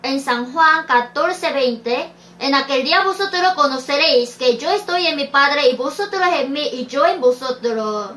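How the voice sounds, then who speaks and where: Slow, high-voiced woman preaching. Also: fairly bright tone. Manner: reads scripture verses aloud, asks rhetorical questions. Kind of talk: slow sermon.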